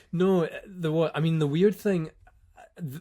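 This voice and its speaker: The voice carries a Scottish accent and a dark, mellow tone. It moves at a moderate pace. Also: man. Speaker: voice actor. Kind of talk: casual interview chat.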